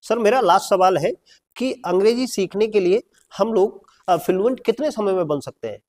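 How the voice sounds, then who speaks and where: A man with an Indian accent acts as interviewer, putting questions politely and with deference. His voice sits on the higher side. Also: expressive, normal speed, a little mellow. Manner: polite, deferential, addresses the host as sir. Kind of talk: asking questions in a podcast interview.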